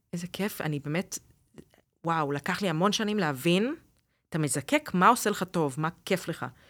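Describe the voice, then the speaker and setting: Speaking at a moderate pace with long, frequent pauses, a woman uses lively intonation at a fairly low pitch. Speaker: podcast host and wine expert, guest. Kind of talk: casual interview chat. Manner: animated.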